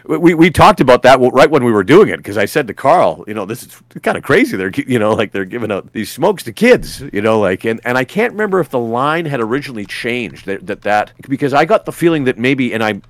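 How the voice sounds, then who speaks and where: A man's voice: mid-range voice, sing-song, fairly quick, hardly any pauses, no echo. A man, a voice actor guest on a podcast, telling rambling anecdotes with lots of restarts and fillers. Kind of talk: casual podcast interview.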